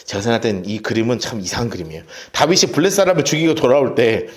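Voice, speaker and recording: A man teaching a Bible study, retelling the story with vivid, lively asides. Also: medium pitch, racing, roomy sound. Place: church room.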